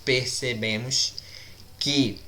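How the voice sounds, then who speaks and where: A man teaching English numbers, speaking deliberately and repeating each word several times for his students. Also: medium pitch, steady tone, sharp tone, a little hiss or hum. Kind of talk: recorded language lesson.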